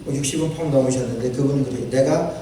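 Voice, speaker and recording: A man's voice: medium pitch, quick pace, dark tone, slight background noise. A male pastor preaching a sermon, repeating phrases for emphasis and quoting scripture. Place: church sanctuary. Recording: echoey church hall from a distant mic.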